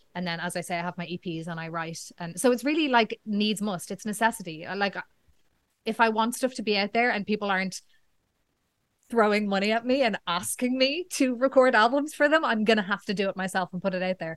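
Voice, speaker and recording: A woman speaks with a Dublin accent at a medium pitch and a fairly quick pace. Her intonation is lively, and the sound is dry and close with no echo. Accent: Dublin Irish. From Ireland, Dublin. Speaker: singer-songwriter and composer. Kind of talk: interview.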